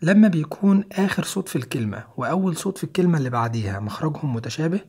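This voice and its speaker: A husky-voiced man with an Egyptian Arabic accent leads an online English lesson. He talks the learner through each point calmly. He slows right down to repeat English phrases again and again. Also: a little high. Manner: explains patiently, repeating English phrases slowly and clearly. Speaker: English teacher.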